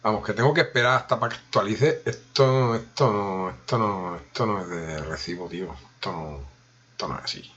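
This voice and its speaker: A man's voice: fairly low pitch, brisk, fairly bright tone, muffled recording. A man with a Spain Spanish accent giving a joking running commentary to himself during a casual live coding stream.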